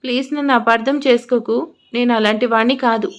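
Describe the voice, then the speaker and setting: A woman voicing a gentle young man who soothes and pleads. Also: a little high, fairly even intonation, fairly quick, close to an everyday voice. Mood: soothing.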